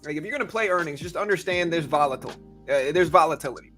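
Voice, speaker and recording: A man's voice: a little high, quick pace, fairly bright tone. Casual male livestream host, music behind. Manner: conversational, informal, addresses viewers directly. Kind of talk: casual livestream chat with viewers.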